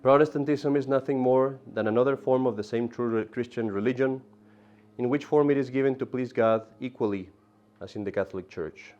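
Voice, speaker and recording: A man teaching an adult catechism class in an animated way, often repeating himself and turning aside to talk to the class. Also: mid-range voice, fairly quick, dull audio.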